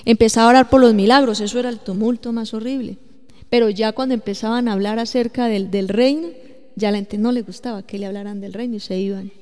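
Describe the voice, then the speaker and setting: Woman preacher, animated sermon with questions to the congregation, church echo. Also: a little high, fast talker. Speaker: pastor.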